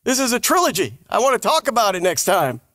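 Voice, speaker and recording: A man hosts a casual podcast conversation. His voice is a bit higher than most men's and recorded very dry. He talks in an informal, encouraging manner. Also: very animated, quick pace, a bit bright, no room sound. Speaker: podcast host. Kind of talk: casual chat.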